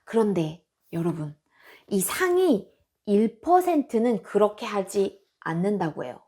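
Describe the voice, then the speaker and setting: Speaking at a measured pace in a mid-range voice, a woman hosts a self-improvement channel. She talks casually and expressively to her viewers, animated throughout and acting out quotes.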